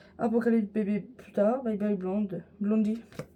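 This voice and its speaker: A woman's voice with a dark, mellow tone and fairly high pitch. It comes across somewhat breathy. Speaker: booktuber. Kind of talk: casual chat. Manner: talkative, hesitant.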